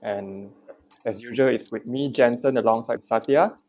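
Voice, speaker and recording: A man hosting a podcast, opening the show and asking brisk questions. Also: mid-range voice. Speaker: podcast host. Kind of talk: casual podcast interview. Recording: dull lo-fi audio.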